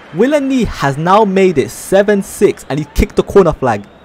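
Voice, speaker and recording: A man's pitch swings very widely as noticeable background noise carries on. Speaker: YouTuber doing mock football commentary. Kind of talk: mock live football commentary. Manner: animated.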